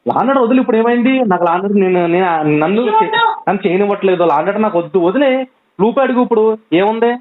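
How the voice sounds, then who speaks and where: Man pleading fast over a phone line. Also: high-pitched, a little hiss or hum. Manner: pleading, insistent, rapid reasoning with many restarts. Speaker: friend on a phone call. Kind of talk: urgent pleading phone conversation. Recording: tinny phone line recording.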